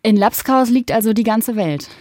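A woman hosting a radio interview, speaking in a measured, clear and articulate way. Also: fairly high pitch, expressive, warm tone, no room sound. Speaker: radio host. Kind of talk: radio interview, scripted introduction.

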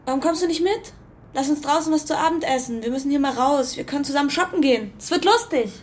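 A woman's voice: high voice, fast talker, natural voice. An actress playing an anxious, homesick teenage girl in a radio play who snaps back and swears easily. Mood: coaxing.

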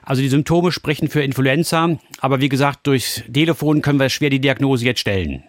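A man's voice: medium pitch, a little fast, dry recording, studio quality. A man speaking as a doctor, giving reassuring medical advice in simple, explanatory terms. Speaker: doctor answering callers.

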